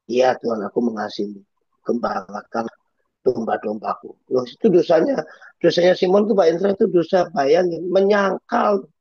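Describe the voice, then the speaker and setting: A man preaching as a pastor, in a lively, chatty way full of rhetorical asides. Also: mid-range voice, husky, no echo. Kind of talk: sermon. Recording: dull muffled sound.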